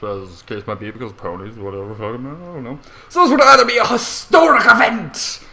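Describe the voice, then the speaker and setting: Animated, bright-voiced man reading a comic story. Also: mid-range voice. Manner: theatrical, irreverent, sweary, with joking asides. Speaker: amateur fan fiction reader. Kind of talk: animated comedic story narration.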